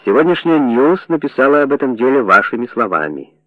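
Мужчина-чтец играет уверенного, ироничного советского чиновника. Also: male voice, medium pitch, very animated, a little fast, dry recording, lightly acted. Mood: wry. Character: Soviet official, wry and confident. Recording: dry narrow phone-like sound.

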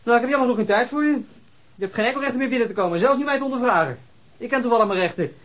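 A woman's voice: on the high side, rapid-fire, close to an everyday voice. An actress playing a defensive, indignant woman in a radio drama, speaking in a curt, protesting manner. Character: defensive, indignant woman guarding her door. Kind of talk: Dutch radio drama dialogue.

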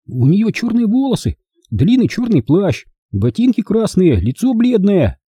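A man voicing a nervous young boy who talks in an anxious hush. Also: high voice, very animated, a little slow, husky, dry recording, voice pushed up, heavily acted. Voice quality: hushed, anxious.

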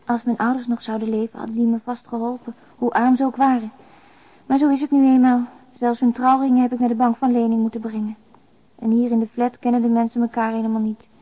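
A woman's voice: a little high, little pitch movement, fast talker, close to an everyday voice. An actress playing a despairing young single mother who confides in a plain, subdued way, as in a radio drama letter. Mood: weary, resigned. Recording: dull, lo-fi radio drama recording.

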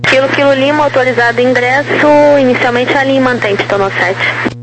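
A woman's voice: sits high, a little fast, a bit bright. Brazilian woman air traffic controller on noisy radio. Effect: aviation radio. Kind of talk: radio phraseology, procedural instructions. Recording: noisy aviation radio with hum.

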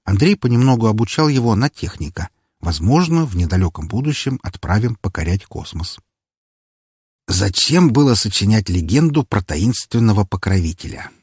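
Low, husky male audiobook narrator. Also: very animated, moderate pace, a little mellow, dry recording, clean studio sound. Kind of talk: first-person fiction narration.

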